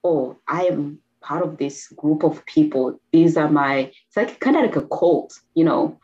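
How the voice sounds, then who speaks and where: A middle-aged woman with a Rwandan accent, a guest telling her life story quickly and earnestly, with soft laughs. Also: deep voice, lo-fi sound. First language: Kinyarwanda. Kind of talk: personal testimony interview.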